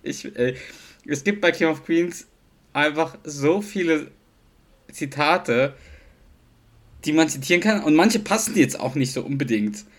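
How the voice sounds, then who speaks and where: Guy cohosting a chatty podcast, a bit higher voice, playful and giggly. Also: animated, unhurried, long pauses. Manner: playful, laughing, quoting sitcom lines. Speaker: podcast co-host. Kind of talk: casual chat between friends.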